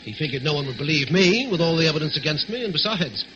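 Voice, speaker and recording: An actor playing a shrewd, composed gentleman jewel thief in an old-time radio thriller, with a brisk, assured, explanatory manner. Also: on the high side, animated, lightly acted. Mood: reasoning, confident. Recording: muffled old radio recording, faint noise.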